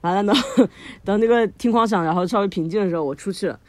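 A woman co-hosting a podcast, telling a long personal story in a lively way, laughing often and using lots of fillers. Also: medium pitch, fast talker, no room sound. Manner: animated, frequent laughter, many fillers. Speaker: podcast co-host. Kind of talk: casual storytelling chat.

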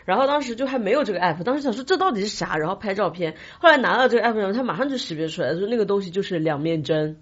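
A woman with a slightly husky voice, co-hosting a podcast in a chatty, agreeable, casual way. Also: medium pitch, animated, very fast, few pauses, highs cut off. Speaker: podcast co-host. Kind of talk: casual group chat.

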